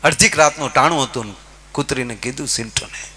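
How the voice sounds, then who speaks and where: A man telling folk comic stories on stage, lively and addressing his listeners directly. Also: mid-range voice, fast, husky. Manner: lively, animated, addressing audience as "bapu" and "saheb". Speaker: folk comedian storyteller. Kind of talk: stage folk humor storytelling.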